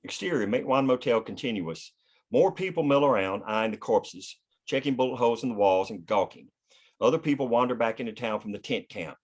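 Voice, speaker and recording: A man's voice: mid-range voice, lively intonation, a little fast, darkish tone. A man reading scripted stage directions plainly in the present tense, as narrator at a table read.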